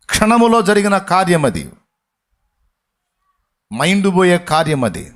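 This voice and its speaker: A man preaching a sermon as pastor, telling a story and acting out its voices with sudden loud and hushed turns. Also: high-pitched, sing-song, a little slow.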